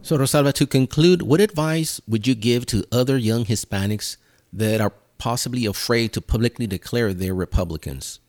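A man hosting a podcast, asking interview questions in a measured, formal way. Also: mid-range voice, darkish tone.

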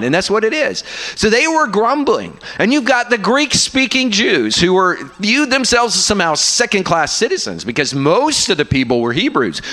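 Bright-voiced man preaching a lively sermon. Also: fairly high pitch. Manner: lively, engaging the congregation with questions. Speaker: university guest preacher.

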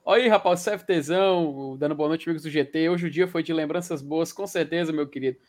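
A man's voice: on the high side, brisk. A man hosting a live show in casual, slangy chat, reading viewer comments aloud. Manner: excitable, slangy, full of fillers.

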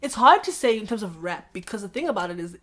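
A woman hosting a casual podcast chat, relaxed and slangy, thinking aloud with fillers. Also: mid-range voice, fast talker. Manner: relaxed, slangy, talks through ideas with fillers. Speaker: podcast host. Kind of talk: casual chat about music.

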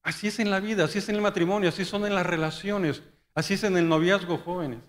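A man preaching a sermon in a church, retelling a story in a quick, conversational way and acting out the lines of the people in it. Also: sits high, steady tone. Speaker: pastor. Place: church hall. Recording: long hall reverb.

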